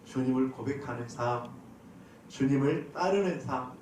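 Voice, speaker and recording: A pastor with a mid-range voice preaches a sermon at an unhurried pace, posing questions to the congregation and answering them himself. He is recorded from a distance in a very echoey church sanctuary, with background noise.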